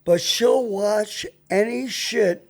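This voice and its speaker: Older guy hosting a talk show, high voice, grumbly and opinionated, just chatting. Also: takes it slowly, darkish tone. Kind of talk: casual chat.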